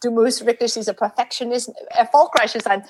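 A woman's voice: a little high, fairly even intonation, brisk, a little mellow, breathy edge, low-quality recording. A woman in her late forties with an American accent in German, a native English speaker talking conversationally as an interview guest, with learner's grammar and switches into English phrases. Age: late 40s. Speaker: guest, sales and positioning coach.

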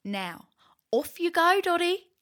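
A woman plays a chirpy good witch with a sing-song, lively voice. She lays down the rules slowly and bossily, with a lilt. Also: very high voice, heavily acted. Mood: bossy. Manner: chirpy, bossy.

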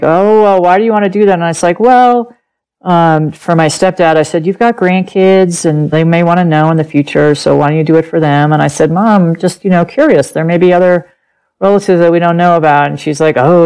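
Gravelly-voiced woman telling her family story. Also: deep voice, rough recording. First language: German. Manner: animated, laughs often, acts out quoted speech. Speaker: podcast guest, author. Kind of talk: personal storytelling in an interview.

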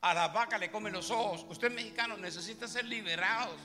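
A man's voice: sits high, brisk. A man preaching a comic sermon as pastor, joking and teasing his congregation. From Puerto Rico. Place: large church hall. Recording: live church hall with music. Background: music playing.

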